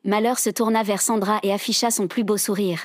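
A woman doing the scripted narration of an audio drama in a steady storytelling manner. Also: medium pitch, brisk, dry recording, studio quality.

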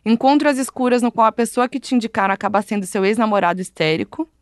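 Brief: female co-host, slightly high voice, cheerful and giggly, dry close sound. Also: fast talker, no echo. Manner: laughs easily, cheerful. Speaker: podcast co-host. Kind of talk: casual chat, reading quiz options.

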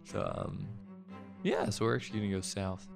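A young man improvising as a player in a role-playing game, talking casually in a halting, matter-of-fact way. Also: fairly low pitch, very animated, gravelly, over music.

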